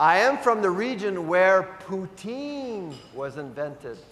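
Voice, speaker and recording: A man with a Quebec accent speaks at a very slow pace, his pitch high and swinging very widely. Audible room echo surrounds his voice. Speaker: keynote speaker, food author. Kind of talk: dinner keynote speech.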